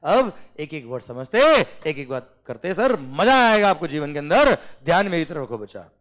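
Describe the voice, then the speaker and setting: A man with an Indian accent teaching a classroom lecture. He dictates slowly word by word, then explains quickly and keeps checking that the students follow. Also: on the high side, big pitch swings, fairly bright tone. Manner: checks understanding often, calls students "beta" and "sir".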